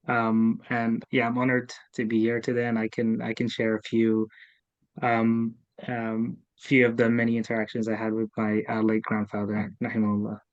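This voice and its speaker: Halting man, dull call audio. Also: fairly low pitch, monotone, no room sound. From Sudan. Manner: halting, many fillers. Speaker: guest, family member. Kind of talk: self-introduction. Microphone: video call.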